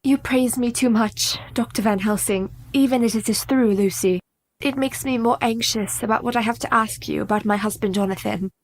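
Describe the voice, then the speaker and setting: A woman's voice: a little high, normal speed, low-quality recording. A woman playing an earnest, capable young wife. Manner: polite, earnest, formal speech. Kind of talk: radio play acting.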